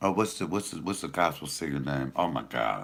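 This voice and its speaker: A man speaks at a fairly slow pace with lively intonation, an animated tone and vocal fry. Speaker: comedian. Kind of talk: casual livestream chat.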